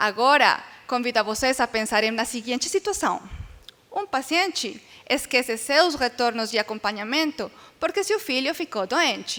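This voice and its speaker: A woman's high, bright, sharp voice with a Spanish accent, moderate pace and lively intonation. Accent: Spanish-accented Portuguese (portunhol). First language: Spanish (speaking Portuguese). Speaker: industry regulatory expert, panel speaker. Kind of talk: conference presentation. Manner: formal.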